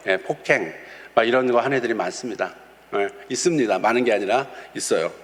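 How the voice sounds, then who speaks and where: A man's voice: medium pitch, a bit bright. A man preaching a sermon as a pastor, telling stories and acting out quotes of kids, chuckling now and then. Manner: storytelling with acted quotes of kids. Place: church sanctuary. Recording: long church reverb.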